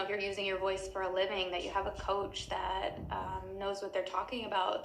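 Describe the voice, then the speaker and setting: A woman's voice: mid-range voice, fairly bright tone, echoey room, slight background noise, low-quality recording. A young woman giving casual advice as a music teacher, chatty and full of fillers.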